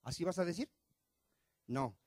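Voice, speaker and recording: Questioning pastor with a high voice. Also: male voice, expressive, no echo. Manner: asks the congregation rapid questions, swings loud and soft. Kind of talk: sermon. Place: church.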